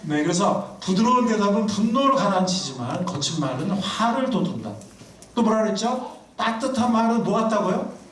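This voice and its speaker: Lively high-voiced man preaching in echoey hall. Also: normal speed. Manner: animated, quizzes the congregation. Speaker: pastor. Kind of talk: sermon. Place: church sanctuary. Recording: echoey room, mic far off.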